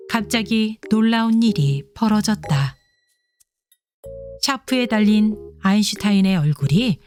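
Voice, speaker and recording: A woman narrating a scripted children's story, reading aloud expressively as if to young children. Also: medium pitch. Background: soft instrumental music.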